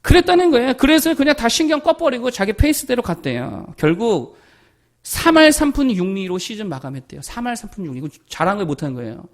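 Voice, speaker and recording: A man's voice: very high-pitched, very animated, fairly quick. A man preaching a Sunday sermon as pastor, emphatic and direct, often asking his congregation rhetorical questions.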